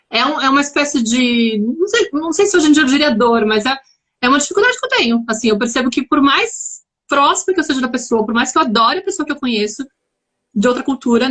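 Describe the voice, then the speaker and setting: A woman's voice: sits high, fairly bright tone. A woman from Brazil with a São Paulo accent, chatting reflectively in a casual live-stream conversation. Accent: Brazilian Portuguese, São Paulo. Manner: reflective, chatty, many restarts. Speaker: guest.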